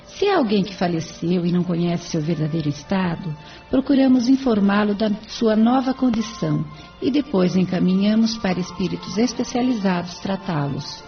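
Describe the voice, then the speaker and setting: A woman's voice: medium pitch, moderate pace, few pauses, close to an everyday voice. A woman playing a serene church spirit. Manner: explanatory, composed. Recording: dull lo-fi with faint music.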